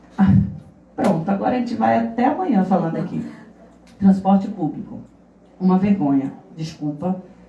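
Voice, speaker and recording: With noticeable background noise behind her, a woman talks in very wide pitch swings, leaving long, frequent pauses. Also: medium pitch for a woman. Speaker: city council candidate. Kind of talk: interview. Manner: fast.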